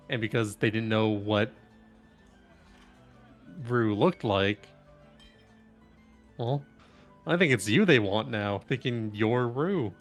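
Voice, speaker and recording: A man playing a tabletop game, reporting what his character learned in a matter-of-fact way. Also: medium pitch. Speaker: player.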